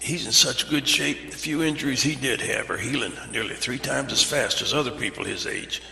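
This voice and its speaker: A man acting a calm, matter-of-fact doctor with a dry manner in an amateur radio drama. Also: medium pitch, normal speed, creaky. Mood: dry amusement. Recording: echoey hall with faint music.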